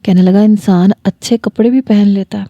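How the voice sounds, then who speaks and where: A woman storyteller reading a first-person romance story in a measured, unhurried, intimate way. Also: mid-range voice, steady tone, dark tone, dry recording, highs cut off.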